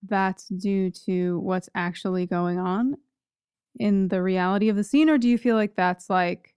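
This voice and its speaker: A woman's voice: mid-range voice, fairly even intonation, a little slow, darkish tone, smooth, no room sound, studio quality. A woman co-hosting a podcast in a casual, conversational style. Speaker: podcast co-host.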